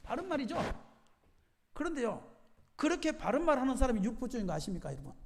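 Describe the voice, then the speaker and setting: A man preaching a sermon, his voice sitting high and swinging widely as he jokes and throws questions at the pews. There's a gravelly edge to his delivery, and the long reverb of a church sanctuary trails behind every phrase. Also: fast, a little hiss or hum. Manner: animated, jokes, quizzes the congregation with questions. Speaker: pastor. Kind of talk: sermon at a night prayer meeting.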